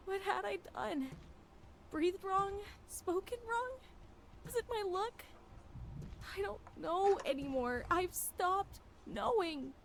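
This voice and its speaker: A woman playing a fearful wife losing her grip on reality, narrating a horror game in a brooding, halting, theatrical way. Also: high voice, gravelly, slight background noise, heavily acted. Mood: anguished, dread. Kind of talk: dramatic first-person horror game narration.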